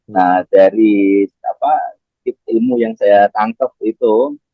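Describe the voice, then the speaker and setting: A man speaks with a Javanese accent. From Demak, Central Java. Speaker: laundry business owner. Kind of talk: interview.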